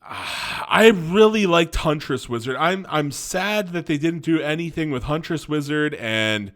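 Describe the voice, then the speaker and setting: A man's voice: a little high, expressive, unhurried, a bit bright. A young man with a stuffy cold voice, casually reviewing cartoons on his channel with lots of restarts and fillers. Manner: rambling, many restarts and fillers.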